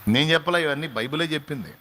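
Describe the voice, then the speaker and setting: A man's voice: fairly high pitch, rapid-fire, bright, forceful tone, slight background noise. A male pastor delivering a sermon in an emphatic style, repeating phrases and asking rhetorical questions.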